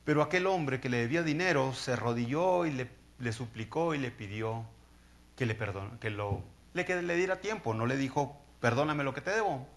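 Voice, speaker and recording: A man's voice: mid-range voice, lively intonation, moderate pace. A man preaching a sermon, telling the story in a conversational way and often checking in with his listeners.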